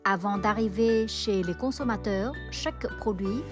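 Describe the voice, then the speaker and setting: A woman's voice: medium pitch, measured pace. Woman narrating a news report over music.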